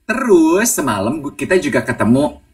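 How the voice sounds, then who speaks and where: A man's voice: a little high, normal speed, distant mic. A man, co-hosting a casual talk show, telling stories and acting out the voices he quotes. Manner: animated storyteller, acts out quoted voices, mixes English. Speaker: podcast co-host. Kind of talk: casual chat, retelling conversations.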